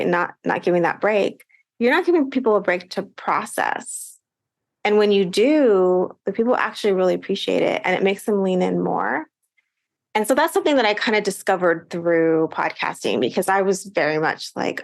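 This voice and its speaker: A woman podcast coach, a guest in a casual interview, talking earnestly and reflectively, with quick bursts of speech. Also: medium pitch, creaky.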